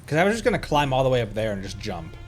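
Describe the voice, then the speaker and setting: Animated man streaming a video game. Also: mid-range voice, very fast. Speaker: livestream host playing a video game. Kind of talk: casual gaming commentary to a live chat. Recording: game music behind. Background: video game music.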